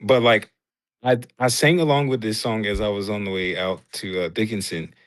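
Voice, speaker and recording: A man's voice: lowish voice, moderate pace, no echo. A man, a guest artist on a podcast, talking earnestly and agreeably in casual chat.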